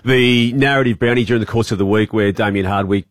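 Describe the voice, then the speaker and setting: A man's voice: on the low side, fairly even intonation, fast, no room sound, clean studio sound. An Australian man co-hosting a radio chat, blunt in banter and analytical about football. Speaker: radio co-host.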